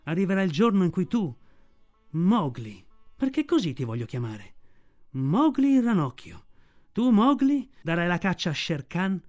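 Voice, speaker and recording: A man voicing a fierce, protective mother she-wolf, raising his voice high for her. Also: big pitch swings, normal speed, faint music behind. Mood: tender. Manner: fierce, defiant.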